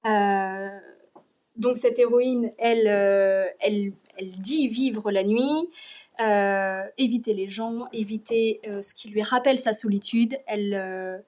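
A woman at a conference lectern walks the audience through her analysis, careful and explanatory. She keeps stopping to hunt for the right word, filling the gaps with soft hesitations. Her pitch sits in an ordinary middle range for a woman. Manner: hesitant, many filler pauses. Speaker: conference presenter. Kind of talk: presenting a lecture with slides.

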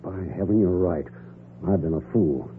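An actor playing a gruff, folksy small-town police sheriff with a rustic drawl in a 1940s radio drama. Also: male voice, sits low, normal speed, lightly acted. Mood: humbled, eager. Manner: folksy, plain-spoken. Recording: muffled, noisy 1940s radio recording.

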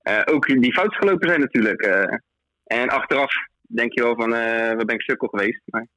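A man's voice: medium pitch, fairly quick, bright, forceful tone, no echo, poor audio. A man in his thirties from the Netherlands, calling in to a radio show on the line, talking hesitantly with many filler sounds. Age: 30s. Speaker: caller.

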